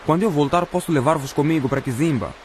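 A man's voice: fairly high pitch, quick pace, darkish tone, a little hiss or hum, close to an everyday voice. A man playing a kindly, reassuring truck driver in a radio drama.

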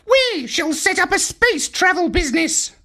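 A man's voice: sing-song, moderate pace, pushed and bright, exaggerated voice. A man voicing a bossy, boastful, brainy parrot with a squawky voice in a children's storybook. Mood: excited, triumphant. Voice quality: squawky, shrill. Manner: bossy, pompous. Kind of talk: children's audio storybook character.

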